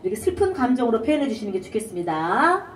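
High, lively-voiced woman singing teacher. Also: fast, recorded from a distance, a little hiss or hum. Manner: demonstrates lines by singing, belts short shouts. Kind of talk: trot singing lesson. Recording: echoey room, voice off-mic.

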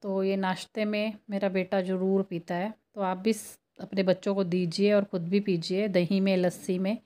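A woman's voice: medium pitch, level tone, normal speed, mellow. A woman in her thirties, a home cooking vlogger, chatting to viewers as she explains each step. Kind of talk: casual cooking voice-over.

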